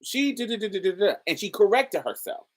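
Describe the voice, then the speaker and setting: A woman with a particularly deep voice, hosting a casual commentary and talking straight to her viewers in an emphatic, chatty way. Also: expressive, brisk. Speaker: host.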